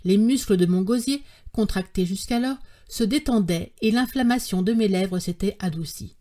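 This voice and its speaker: Woman narrating an audiobook, measured. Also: mid-range voice, mellow. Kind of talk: scripted narration.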